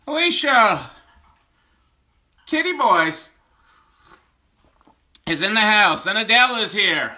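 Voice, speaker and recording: A man's voice: very high-pitched, bright, forceful tone, slight background noise. A man from upstate New York hosting a casual livestream, playfully greeting viewers by name and joking with them. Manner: playful, jokey, reads out viewer names. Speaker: livestream host.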